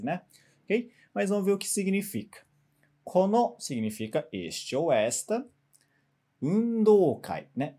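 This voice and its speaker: Guy teaching japanese, patient, kinda high but mellow voice. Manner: patient, repeats phrases for the student. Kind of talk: language lesson, reading example sentences.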